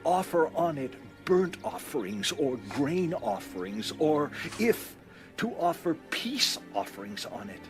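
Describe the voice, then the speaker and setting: A man voicing a solemn tribal elder in a dramatized audio Bible, speaking in an earnest, measured way. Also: a little high, sing-song, gravelly, faint music behind, heavily acted. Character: solemn tribal elder pleading his people's loyalty. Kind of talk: dramatized scripture reading.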